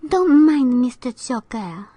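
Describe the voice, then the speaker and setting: A delicate young china princess speaks in a high, prim voice, slowly and carefully, as a woman reading a storybook puts her on. She sounds timid and proper. The sound is dry and close. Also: big pitch swings, warm tone, no echo, exaggerated voice.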